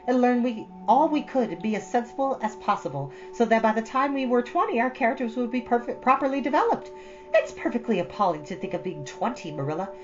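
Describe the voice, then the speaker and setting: A woman's voice: fairly high pitch, dull audio, voice pushed up. A woman voicing a chatty, earnest thirteen-year-old girl from a storybook, rambling with solemn drama. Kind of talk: storybook character reading.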